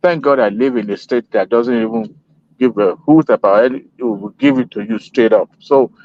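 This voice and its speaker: A man in a group voice chat debate, heard over the call line, arguing in a measured way with many hesitation fillers. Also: medium pitch. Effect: heard over a group voice chat connection. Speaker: panel discussant. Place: at home in Texas. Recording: dull lo-fi online call audio.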